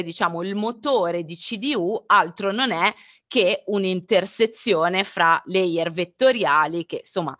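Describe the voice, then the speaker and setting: A woman gives a webinar tutorial in a slow, unhurried way, stopping often for fillers and to correct herself. Her voice sits a little low, and it is recorded dry, close to the mic, with no room sound. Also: a bit bright, dry recording. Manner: hesitant, many fillers and self-corrections. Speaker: presenter of a software tutorial. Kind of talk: live webinar explanation with screen demo.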